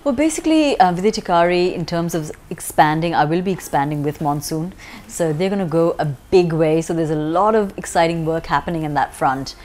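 A woman's voice: deep voice, fairly quick, darkish tone. A woman in her forties, a makeup artist and salon owner, answering interview questions in a chatty way with frequent ums and restarts, recorded on a lapel mic in an indoor studio.

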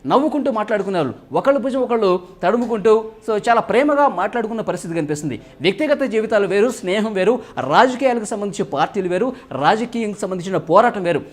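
Male news commentator, high voice, rapid fluent delivery, explanatory, leans on "so" to open phrases. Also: animated. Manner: fluent, explanatory, often opens phrases with English "so". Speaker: political commentator.

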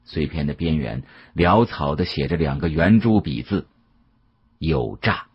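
A male audiobook narrator tells a mystery in the first person. His voice is deep and very raspy, with lively, dramatic intonation. The recording is slightly dull.

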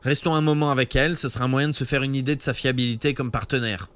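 A steady, level-headed teenage boy, read by a man, talks another down in an earnest, reasoning tone. His voice stays close to the reader's own, in a storybook reading. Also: medium pitch, fast talker, close to an everyday voice. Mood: calm persuasive.

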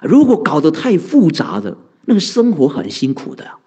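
A man's voice: a little high, very animated, moderate pace, mellow, breathy edge. A man, a Buddhist monk giving a conversational dharma talk, asking rhetorical questions and answering them, chuckling often. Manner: chuckles often, heavy use of sentence-end particles.

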